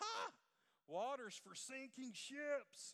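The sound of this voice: A put-on character voice, high in pitch and female-sounding, carries the lines.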